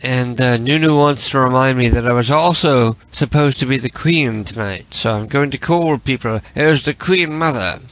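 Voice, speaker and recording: A man's voice: mid-range voice, normal speed, few pauses, a bit bright, a little hiss or hum, poor audio. A drunk man hosting a late-night call-in show, rambling, giggling and crude. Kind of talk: casual late-night chat.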